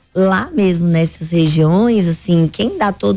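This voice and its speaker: This woman speaks with a Minas Gerais accent and lively intonation. Her voice is fairly low in pitch, with a dark, mellow tone. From central Brazil, Goiânia. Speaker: physician. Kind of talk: radio interview.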